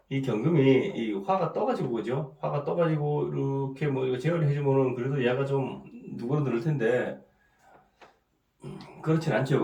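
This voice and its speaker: A middle-aged man with a cold and a sore throat, giving an informal lecture. He keeps asking "right?", clears his throat often and restarts his sentences. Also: medium pitch, warm tone, distant mic. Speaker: saju fortune-telling teacher. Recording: echoey room, voice set back from the mic.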